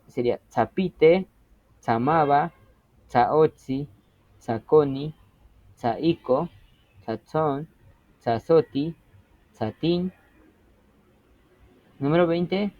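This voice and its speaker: A man's voice: fairly high pitch, very slow, pauses often, dark tone, no echo, highs cut off. A man teaching an interactive language lesson, patiently explaining and often checking that students follow.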